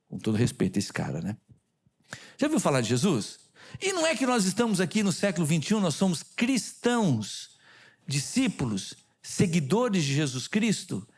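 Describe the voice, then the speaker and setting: A man with a Brazilian Portuguese accent preaching a sermon as a pastor, who puts questions to the congregation and retells conversations. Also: fairly high pitch. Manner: animated, quizzes the congregation with questions. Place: church sanctuary.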